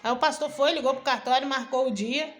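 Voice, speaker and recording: Faint music sits behind a woman missionary and preacher as she relates her personal testimony a little quickly in a high voice. Her telling is conversational, chaining events and voicing the dialogue herself.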